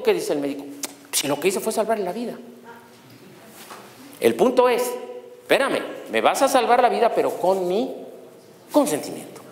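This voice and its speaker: Man lecturing in an echoey hall. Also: high voice. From Mexico. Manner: animated, asks the audience rhetorical questions. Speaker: law lecturer. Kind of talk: university lecture on human rights. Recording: echoey hall with long reverb.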